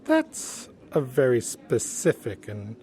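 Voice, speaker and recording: A gentle, earnest human resources man in an audio drama. He is polite and prim, with a medium-pitched voice that swings expressively. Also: huge pitch swings, slight background noise. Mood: earnest, reassuring. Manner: polite, prim, measured wording. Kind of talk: audio drama acting as interview guest.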